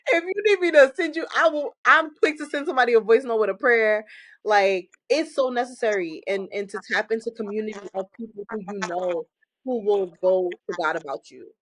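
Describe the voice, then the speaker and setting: A woman speaking with lively, emphatic conviction as she shares her faith, slightly high-voiced and prone to laughter. The recording is dry and close. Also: moderate pace, no room sound. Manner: animated, preachy, laughing, emphatic exhortations. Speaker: podcast guest. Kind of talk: casual testimony-style faith talk.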